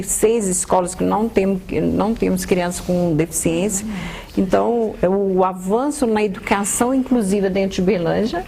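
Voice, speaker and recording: A woman's voice: medium pitch, gravelly, warm tone, slight background noise. A woman with a Brazilian accent speaking in a panel debate, assured but with hesitant fillers. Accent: Brazilian Portuguese.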